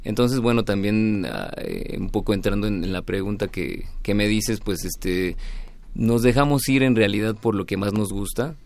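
A man with a very low voice and plenty of creak talks casually as a musician in an interview. He is reflective and hesitant, pausing to find the right word. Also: expressive, darkish tone. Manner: hesitant, reflective, searching for words. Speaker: musician, band leader being interviewed.

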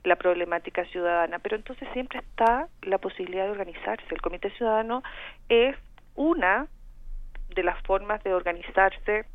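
A woman's voice: mid-range voice, moderate pace. A middle-aged Chilean woman calling in to a radio talk show as a community organizer, speaking earnestly with many restarts. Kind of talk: phone-in radio discussion. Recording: tinny phone line.

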